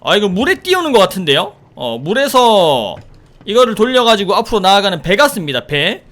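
A man giving joking let's-play commentary on a horror game, animated and easily startled, shouting in surprise. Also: sits high, fairly quick. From South Korea. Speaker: gaming streamer.

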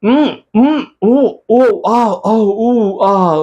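A man's voice: high voice, normal speed, highs cut off, voice pushed up. A man doing a hearty, exclaiming monk. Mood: delighted. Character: cheerful middle-aged male monk, kindly, exuberant. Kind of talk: storytelling role-play.

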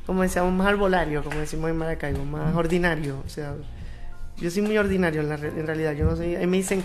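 A man's voice: a little high, fairly even intonation, fast, over music. A young Venezuelan man speaking Spanish with a Venezuelan accent tinged by Bogotá, a guest chatting casually and laughing often. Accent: Venezuelan Spanish with Bogotá influence. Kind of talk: casual chat.

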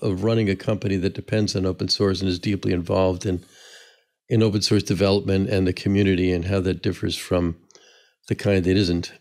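An older man hosting a podcast interview, talking in a halting way with repeated words, into a studio mic in a home office. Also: lowish voice. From New Jersey. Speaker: podcast host. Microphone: studio mic on arm, earbuds.

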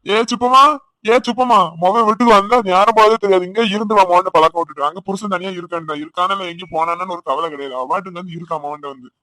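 A man voicing a grumbling village father-in-law in a cartoon, loud and complaining with a Tirunelveli Tamil accent. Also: high-pitched, fairly even intonation, quick pace, no room sound.

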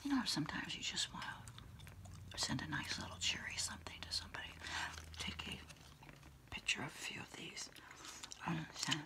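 A middle-aged woman whispering a quiet ASMR roleplay close to the mic, in a breathy, murmuring voice with pauses and soft hums. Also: sits low, big pitch swings. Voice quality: breathy, mostly unvoiced whisper. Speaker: ASMR host playing a therapist. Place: small candlelit indoor room.

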